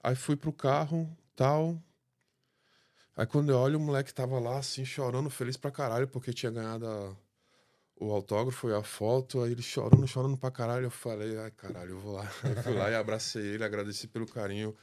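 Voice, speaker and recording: A man's voice: medium pitch, steady tone, brisk, darkish tone. A young Brazilian man, a bodybuilder guest on a podcast, telling heartfelt stories in casual slang. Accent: Brazilian Portuguese.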